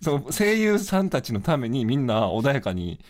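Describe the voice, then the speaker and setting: A man's voice: mid-range voice, sing-song, moderate pace. A man with a Kansai accent, a comedian guest chatting casually and agreeably with the host. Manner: easygoing, agreeable, short backchannels.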